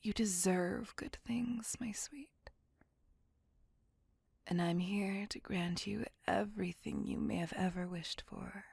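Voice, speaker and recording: A woman voicing a possessive, devoted female vampire on a date, speaking in a soft, close, apologetic and doting whisper. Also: medium pitch, steady tone, takes it slowly, vocal fry, husky, no room sound, exaggerated voice. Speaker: voice actor. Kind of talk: ASMR roleplay whispering.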